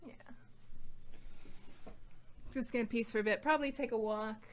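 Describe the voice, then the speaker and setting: A woman with a slightly softened American accent, a native Polish speaker, chatting in a bubbly, giggly way on a stream. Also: a little high, fairly even intonation, moderate pace, slight background noise. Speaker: guest, streamer's wife. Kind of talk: casual live-stream chat.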